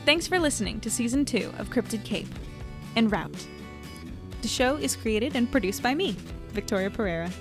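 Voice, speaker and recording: A woman podcast host reads scripted closing credits. Her voice is a bit higher than average, and music plays clearly behind it. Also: animated, normal speed. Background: theme music.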